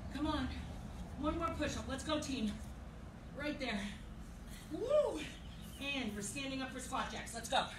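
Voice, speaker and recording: A high-pitched woman's voice at a fairly slow pace, with ordinary pitch variation over noticeable background noise. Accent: American. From US Midwest, Minnesota. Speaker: fitness instructor. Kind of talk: live workout coaching with countdowns and cues. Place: garden. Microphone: camera far.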